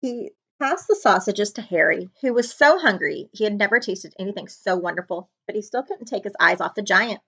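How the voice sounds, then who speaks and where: A woman reading a children's book aloud as a librarian would, in an expressive narrating style. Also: mid-range voice, fairly quick.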